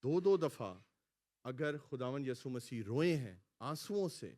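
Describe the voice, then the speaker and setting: A male pastor preaching a sermon in a church hall, calling out lines for the congregation to repeat and swinging between loud exclamations and quiet asides. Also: medium pitch, expressive. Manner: preaching, has the congregation repeat phrases after him. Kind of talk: sermon with call-and-response.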